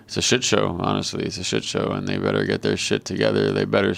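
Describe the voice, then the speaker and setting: A man giving live trading commentary in a flat, monotone way, talking casually and bluntly with plenty of swearing over a video call. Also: sits low, fast talker, vocal fry. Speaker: trader and market commentator.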